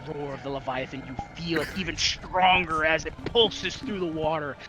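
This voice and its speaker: A man's voice: fairly high pitch, moderate pace, background noise. Man narrating a game with dramatic build. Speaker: game master. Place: online voice chat. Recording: background music.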